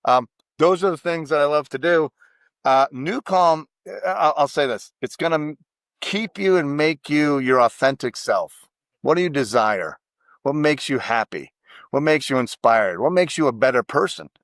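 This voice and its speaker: An American man talks in an emphatic, animated way, and his voice sits a little high for a man. It is recorded close and dry, with no room sound, in a relaxed podcast conversation. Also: normal speed, no echo. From United States.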